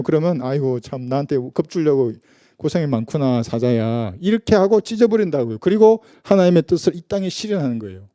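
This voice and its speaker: A male pastor with a very mellow, warm tone and a fairly high pitch, preaching in a chatty, conversational way. He keeps asking his listeners rhetorical questions, and the sound is dry and close. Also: dry recording. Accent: Gyeongsang Korean. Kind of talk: sermon. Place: church.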